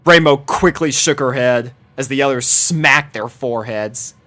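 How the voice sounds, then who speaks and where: A woman's voice: a bass voice, measured pace, fairly bright tone. A woman narrating a scripted story as a reader of fan fiction.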